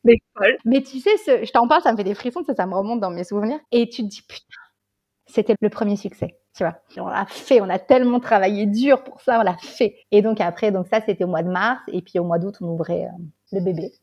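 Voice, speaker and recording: Fast-talking animated woman telling a story. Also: mid-range voice. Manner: animated, swears casually, keeps saying "tu vois". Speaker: guest, tea salon founder. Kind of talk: casual interview storytelling.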